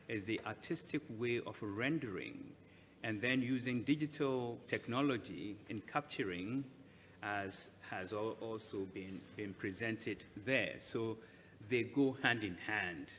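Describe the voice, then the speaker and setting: A man speaking deliberately and explaining a point as a conference speaker. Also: lowish voice, fairly bright tone. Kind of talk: answering at a conference. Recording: reverberant hall with faint noise.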